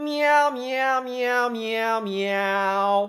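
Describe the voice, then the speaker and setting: A man puts on a nasal character voice pitched extremely high. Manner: meowing.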